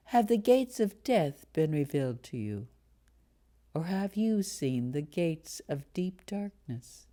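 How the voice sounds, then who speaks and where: Low-voiced woman reading scripture slowly. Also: mellow. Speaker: lay scripture reader.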